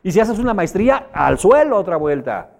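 A man's voice: sits high, big pitch swings, normal speed, gravelly, darkish tone. A man with a Mexican accent giving a motivational seminar talk to a group. He speaks colloquially and emphatically, repeats phrases for effect and puts questions to his audience.

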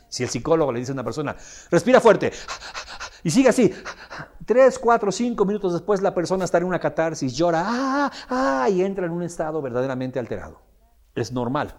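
Animated man lecturing. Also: medium pitch. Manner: animated, acts out scenes in voices; asks the audience questions. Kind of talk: lecture to an audience.

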